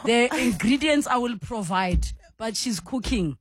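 A woman's voice: fairly high pitch, expressive, measured pace, slightly rough. A woman hosting a radio interview, effusive, playful and teasing with her guest. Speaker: radio host. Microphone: studio microphone.

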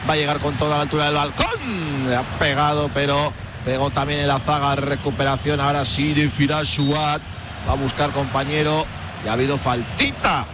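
A man calls a football match live, his slightly high voice rattling off passes and corners in fast bursts as play builds. A steady hum of noise sits beneath the broadcast. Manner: rapid-fire calls in bursts during action. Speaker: play-by-play commentator. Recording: noisy broadcast with background hum.

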